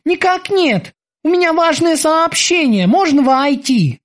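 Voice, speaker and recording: A woman voicing a timid, eager male bosun who reports in a stiffly formal, drawn-out way. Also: sits high, lively intonation, voice pushed up. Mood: formal reporting.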